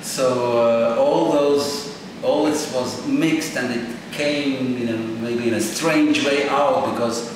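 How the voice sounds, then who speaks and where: A man in his fifties whose first language is Estonian, a composer answering interview questions in English with halting, animated phrasing and many fillers, in a small room. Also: mid-range voice. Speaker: composer and performer. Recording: echoey room, distant mic, noisy.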